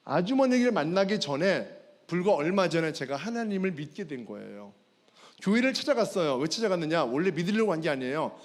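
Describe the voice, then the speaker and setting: A fitness trainer giving a personal faith testimony at a school chapel service. He tells the story with animation and keeps calling out to the audience. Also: high voice. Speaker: fitness trainer and guest speaker. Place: large worship hall. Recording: long hall reverb.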